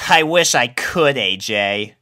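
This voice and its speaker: Man as a brash, bright-voiced girl pony. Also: mid-range voice, lively intonation, takes it slowly. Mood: dejected. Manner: emphatic, exasperated. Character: brash, impatient young female flying pony.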